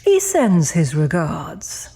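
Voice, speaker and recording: An actress playing a gracious, formal and faintly eerie architect receiving guests in a horror audio drama. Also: female voice, sits low, huge pitch swings, dark tone, breathy edge, full character voice. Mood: gracious, composed. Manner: formal, poised, unhurried.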